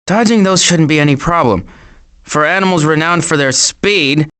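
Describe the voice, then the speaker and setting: A man voicing a cautious, exasperated turtle in an animated video game, fretful and given to wry grumbling. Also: a little high, moderate pace, lightly acted. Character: anxious, cautious male cartoon turtle, exasperated worrier.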